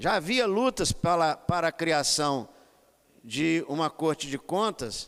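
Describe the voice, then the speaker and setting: This man's intonation is lively. He speaks at a very slow pace. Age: 60s. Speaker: state legislator and candidate at confirmation hearing. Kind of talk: formal hearing speech. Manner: formal.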